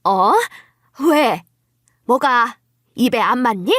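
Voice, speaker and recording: Slow, swooping scheming mother-in-law, acted by a woman. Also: fairly high pitch, animated, fairly bright tone, no echo, clean studio sound, full character voice. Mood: feigned surprise. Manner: coaxing, feigning innocence, drawn-out exclamations. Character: scheming middle-aged mother-in-law, falsely sweet, coaxing. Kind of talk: dramatised audio story acting.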